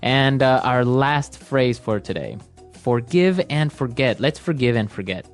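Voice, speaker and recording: A man's voice: medium pitch, expressive, measured pace, faint music behind. A man co-hosting an English-learning podcast, steering the segments in a casual teaching chat and checking in with frequent "all right" and "very good".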